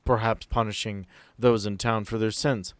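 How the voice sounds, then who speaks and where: A stubborn, God-fearing middle-aged landowner played by a man speaks formally and deliberately. His voice is close and dry, calmly unyielding, as in a tabletop roleplaying story. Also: fairly low pitch, no room sound, lightly acted. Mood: pious, stern.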